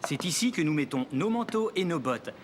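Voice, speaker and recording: Man playing enthusiastic firefighter, animated intonation, slightly high voice, children's cartoon. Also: fairly quick, background noise, natural voice. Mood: helpful, welcoming. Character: friendly, enthusiastic adult male firefighter. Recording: music behind the voice.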